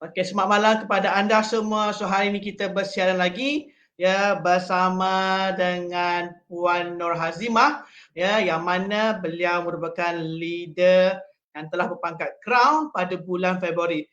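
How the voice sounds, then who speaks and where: A man with a Malaysian Malay accent hosting a live online interview, talking with many pauses and fillers. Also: sits high, fairly even intonation, a bit bright, highs cut off. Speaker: live stream host.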